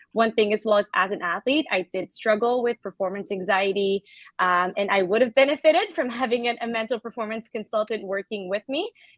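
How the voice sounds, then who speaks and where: The voice comes at a fairly quick pace with a dry, close sound and no echo. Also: woman, fairly high pitch for a woman, ordinary pitch variation. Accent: Quebec. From Quebec, Montreal. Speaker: sport psychologist. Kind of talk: podcast interview.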